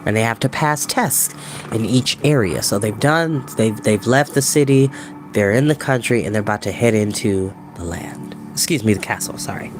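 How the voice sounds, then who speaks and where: An expressive, theatrical storytelling host who reads books aloud and chats casually in between. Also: medium pitch, normal speed. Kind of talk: animated storybook reading with chatty asides. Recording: background ambient music. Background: ambient music.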